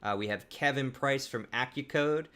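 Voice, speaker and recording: A man co-hosting a live panel talk, speaking in a relaxed, conversational way with frequent restarts. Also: medium pitch, moderate pace. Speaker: co-host.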